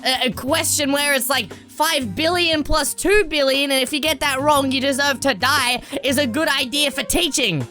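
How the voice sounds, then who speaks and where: A woman hosting a gaming video, giving excited lore commentary in an exclamatory, dramatic and emphatic way. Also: high voice, normal speed, hardly any pauses. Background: background music.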